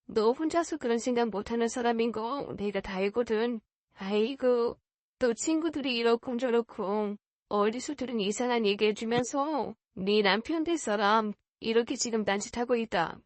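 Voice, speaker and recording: Storybook fiancé, a gentle quiet young man, voiced by a woman, plain and earnest, a little higher than most, close and dry. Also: normal speed, no room sound, natural voice. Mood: teasing.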